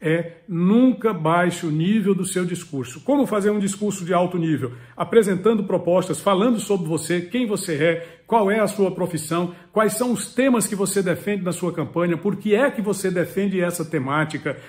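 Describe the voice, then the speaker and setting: Man in his fifties, high-pitched voice, teacherly and earnest, speaking close to a camera in a book-lined study. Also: normal speed, few pauses, darkish tone. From Piauí, Brazil. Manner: earnest, didactic, repeats key words for emphasis. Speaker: political commentator and channel host. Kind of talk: direct-to-camera advice talk. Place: home study with full bookshelves. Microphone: webcam or phone close up, head and shoulders.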